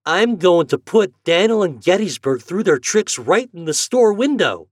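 A man's voice: sits high, very animated, measured pace, no room sound, clean studio sound, voice pushed up, full character voice. A man voicing an eager, jolly farm boy in a storybook, speaking in rustic old-time country dialect. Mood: eager, boastful. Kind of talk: storybook character voice.

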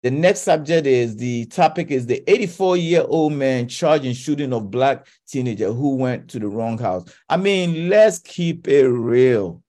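A man's voice: mid-range voice, lively intonation, measured pace, few pauses, mellow. A man hosting a radio talk show, giving impassioned commentary with stumbling restarts.

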